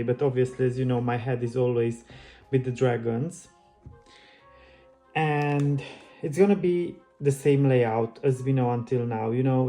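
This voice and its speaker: Chatty man with a flat, mellow voice. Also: medium pitch. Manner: friendly, chatty, loose phrasing with restarts. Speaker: book channel host. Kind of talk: casual book flip-through vlog.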